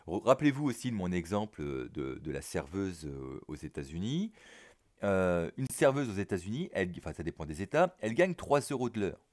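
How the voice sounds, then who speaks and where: A man teaching a recorded lesson over slides, explaining in a casual, chatty way full of fillers and quick asides. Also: deep voice, sing-song.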